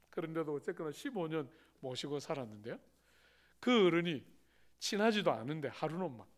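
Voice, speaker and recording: Animated Korean pastor preaching. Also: male voice, fairly high pitch. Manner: storytelling with lively acted-out quotes and rising emphasis. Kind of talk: sermon.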